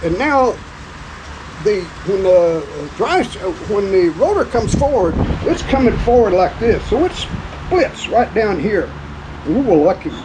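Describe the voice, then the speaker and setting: A man's lively intonation at a fairly slow pace, with long, frequent pauses and noticeable background noise. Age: 80s+. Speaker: war veteran. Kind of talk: storytelling. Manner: animated.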